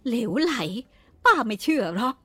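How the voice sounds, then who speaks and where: A woman voicing a flustered, scolding but soft-hearted old aunt in an audiobook. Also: sits high, very animated, moderate pace, no room sound, voice pushed up, exaggerated voice. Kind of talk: audiobook reading.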